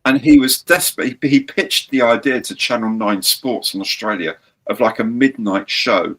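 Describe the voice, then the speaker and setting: A man's voice: medium pitch, moderate pace, a bit bright. A man hosting a casual live-stream chat, rambling and chatty with some mild swearing. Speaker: host.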